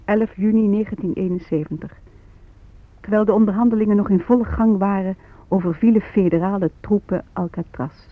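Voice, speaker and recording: A woman's voice: mid-range voice, steady tone, a little fast, no room sound, narrow, tinny audio, lightly acted. An actress playing an aggrieved Native American activist mother giving earnest, bitter testimony in a radio drama. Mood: grave, bitter.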